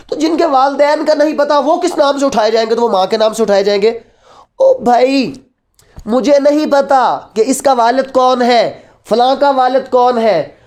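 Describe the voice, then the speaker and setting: A woman's voice: on the high side, darkish tone. A woman with a Pakistani accent giving an explanatory lecture as a teacher, repeating key phrases and posing rhetorical questions in a didactic way. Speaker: law teacher. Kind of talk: explanatory law lecture mixing Urdu and English.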